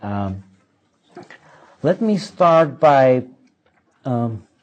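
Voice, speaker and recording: A man with a Czech accent lectures in English at an unhurried, deliberate pace, pausing often with ums and doubling back on his words. His pitch sits in an ordinary middle register. He slips dry, understated jokes into an academic talk. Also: sing-song, darkish tone, dull audio. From Czech Republic. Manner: hesitant, many ums and restarts. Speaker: economics professor giving a lecture. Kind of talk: conference lecture with dry humor.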